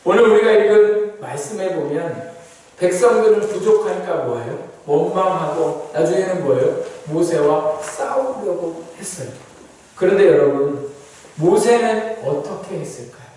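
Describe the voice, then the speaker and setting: A man preaching as a pastor, constantly asking the congregation questions and swinging between raised, emphatic lines and low, quiet ones. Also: lively intonation, moderate pace. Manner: asks the congregation rhetorical questions again and again. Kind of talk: sermon. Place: church sanctuary. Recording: very echoey church, voice from a distant mic.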